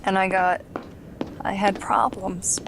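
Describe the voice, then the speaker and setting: A woman's voice: mid-range voice, level tone, takes it slowly, background noise. A woman hosting a video game playthrough with casual, sarcastic commentary and the odd swear word. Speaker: let's play host. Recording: game music behind the voice. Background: video game music.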